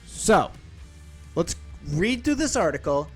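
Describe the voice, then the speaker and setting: A man's voice: sits high, big pitch swings, slow, soft background music. A man hosting a podcast, reading a news article aloud with casual, profane, rambling asides and frequent self-corrections. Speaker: podcast host.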